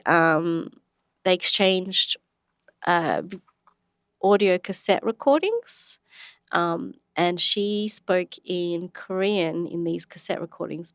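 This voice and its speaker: A woman from Australia with a lowish voice talks about her path as an animator. She tells her story in an animated way, laughing often and using fillers. The sound is dry and close. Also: dry recording. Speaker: guest, animator and researcher. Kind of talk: casual interview.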